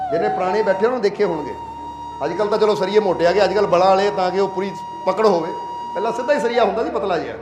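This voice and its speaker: A man's voice: sits high, echoey room. A man from Punjab, India, giving a sermon as a spiritual leader, telling stories and often asking listeners if they understand. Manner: storytelling, plain conversational preaching. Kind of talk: sermon to a congregation.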